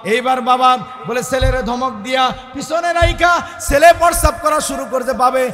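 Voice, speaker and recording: A man preaching a fiery sermon, shouting and chanting in a sing-song way as he tells a story and calls out to the crowd. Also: extremely high pitch, fairly even intonation, normal speed, big-room sound, faint music behind.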